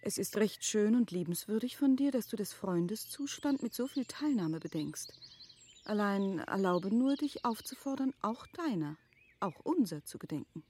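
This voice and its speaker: Actress as a mellow-voiced, refined middle-aged wife. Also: female voice, medium pitch, expressive, a little hiss or hum, lightly acted. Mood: gently cautioning. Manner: measured, articulate, formal diction. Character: refined middle-aged wife, thoughtful, gently but firmly cautioning. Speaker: actor in a radio play. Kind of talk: literary German radio drama acting. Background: birdsong, faint nature ambience.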